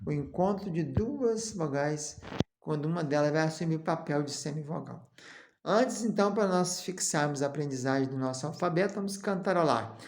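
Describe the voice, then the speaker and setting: A Brazilian man teaching a seminary lesson on Greek. He explains slowly, often adds "né?", and chants the letter names. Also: fairly high pitch, expressive, echoey room, a little hiss or hum. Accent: Brazilian Portuguese.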